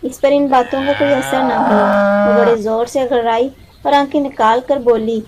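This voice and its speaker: A woman's voice: on the high side, steady tone, normal speed, darkish tone. A woman storyteller reading a scripted moral story for children.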